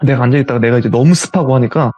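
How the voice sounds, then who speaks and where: A man telling his own ghost story as a guest, in a casual, animated retelling. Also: mid-range voice, rapid-fire, no room sound, faint music behind.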